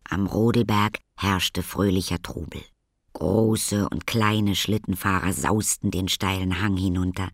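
Male storybook narrator, calm and steady, lowish voice, dry studio sound. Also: measured pace, gravelly, dry recording. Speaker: audiobook narrator.

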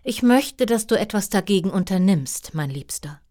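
Lady doing a worn-out fairytale queen, plaintive n demanding, lots of pitch movement. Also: lively intonation, moderate pace, dark tone, lightly acted. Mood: weary, complaining. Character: tired, complaining, demanding fairy-tale queen.

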